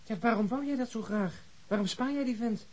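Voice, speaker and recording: An actor playing a blunt, probing police colleague in a Dutch radio drama. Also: male voice, very high voice, brisk. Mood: challenging.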